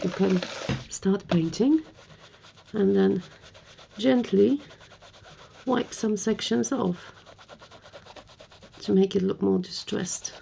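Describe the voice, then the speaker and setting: A woman with a slightly hoarse, croaky voice hosts a painting tutorial, chatting and thinking aloud as she works. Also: mid-range voice, mellow, a little hiss or hum. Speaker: art tutorial host. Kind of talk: casual painting tutorial narration.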